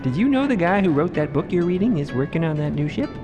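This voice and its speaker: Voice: medium pitch, big pitch swings, quick pace, over music, close to an everyday voice. A performer playing a teasing, breezy female timekeeper in an audio drama. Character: teasing female timekeeper colleague named Madeline.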